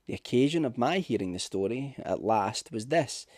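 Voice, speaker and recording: A man reading a scripted ghost story as narrator, with measured, dramatic delivery. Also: mid-range voice, lively intonation, darkish tone, no room sound, clean studio sound. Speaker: audiobook narrator.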